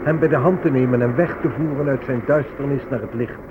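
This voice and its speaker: Man as pompous white official, mid-pitched, condescending, radio drama, noisy recording. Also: a little fast, close to an everyday voice. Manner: pompous, patronising. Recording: noisy, thin narrowband old radio recording.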